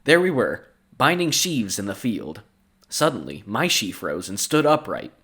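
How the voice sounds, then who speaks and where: Low-voiced guy reading bible passages on a podcast, super animated, cracks crude jokes and keeps laughing. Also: unhurried, slightly rough. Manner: laughs often, crude and joking. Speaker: podcast co-host. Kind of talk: reading scripture aloud with casual commentary.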